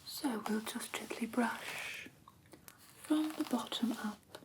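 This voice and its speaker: A woman playing a prim, patient vampire teacher in a whispered ASMR roleplay, speaking softly and breathily with formal, careful instruction. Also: fairly high pitch, slow. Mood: gentle, instructive. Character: prim, patient female vampire teacher of human pet care.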